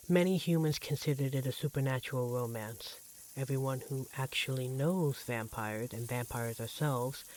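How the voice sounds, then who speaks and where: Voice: medium pitch, a little mellow, lightly acted, low-quality recording. A performer playing an affectionate, teasing vampire barista in a conversational audio roleplay about domestic life. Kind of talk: ASMR audio roleplay, one-sided domestic dialogue. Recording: clear background noise, sizzling frying pan.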